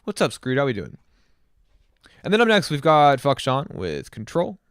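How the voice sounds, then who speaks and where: A man's voice: mid-range voice, huge pitch swings, moderate pace, a little hiss or hum. A man reviewing songs on a casual livestream, rambling with many fillers and restarts. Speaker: music reviewer streamer.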